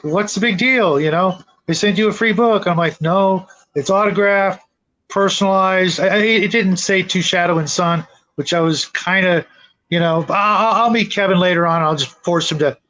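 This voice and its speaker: A man's voice: high voice, normal speed, fairly bright tone, low-quality recording. A middle-aged man hosting a casual livestream chat. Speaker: show host.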